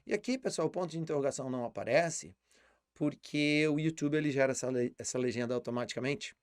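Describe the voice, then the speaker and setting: A man's voice: mid-range voice, quick pace, smooth, no room sound, clean studio sound. Brazilian man teaching, patient and explanatory. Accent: Brazilian Portuguese. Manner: patient, explanatory, repeats words as he thinks. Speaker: English teacher. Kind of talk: live online lesson.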